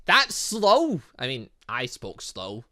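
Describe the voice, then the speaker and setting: An excitable, rambling gaming host giving let's play commentary, reading game text aloud and breaking off to exclaim. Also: mid-range voice, slow.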